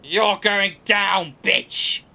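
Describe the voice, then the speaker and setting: A ruthless usurper general in an audio play, acted by a man, aggressive and scheming. The voice is very sharp and high, with a gravelly creak in it. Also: drawn-out words, full character voice. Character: ruthless, hot-headed usurper general clinging to power.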